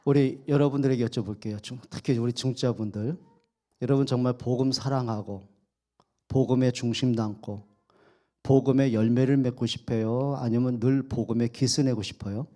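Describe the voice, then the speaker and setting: A man's voice: medium pitch, fairly even intonation, normal speed, warm tone. A man preaching a Sunday sermon in a church. He asks the congregation questions, answers them himself, and acts out quoted speech in his own voice. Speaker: pastor. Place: church sanctuary.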